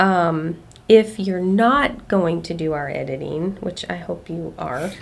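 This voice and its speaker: The speech moves at a very slow pace with lively intonation. Loudness swings widely throughout. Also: woman, fairly low pitch for a woman. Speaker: podcast host. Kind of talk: casual chat.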